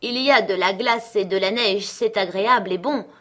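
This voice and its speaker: A gentle, homesick reindeer, voiced by a woman narrator in a storybook. It talks slowly and dreamily. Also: mid-range voice, natural voice. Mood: dreamy.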